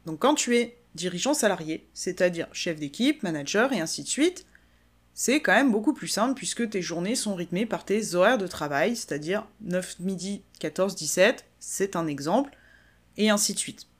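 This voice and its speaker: A woman's voice: medium pitch, lively intonation, normal speed. A woman hosting a solo podcast, explaining work methods in a chatty, informal way and talking straight to the listener. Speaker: podcast host, business coach.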